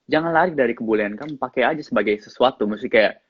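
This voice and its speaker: A relaxed male actor chatting in an interview, his Indonesian carrying a slight English lilt. His voice sits at an ordinary middle pitch, recorded close and dry with a slightly dull, muffled tone. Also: quick pace, slightly rough, no room sound. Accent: slight English accent in his Indonesian. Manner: relaxed, chatty, mixes English into his speech, laughs often. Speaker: actor guest. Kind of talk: casual interview chat.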